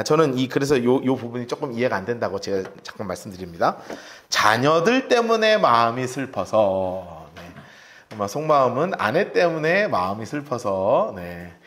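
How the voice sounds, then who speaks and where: A middle-aged male pastor teaching a Bible-study sermon in a church. His pitch sits a little high and swings widely, and he acts out the cries as he tells the story. Now and then he stops to tell his listeners which verses to mark. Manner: animated storytelling with shouted acted-out cries. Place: church sanctuary.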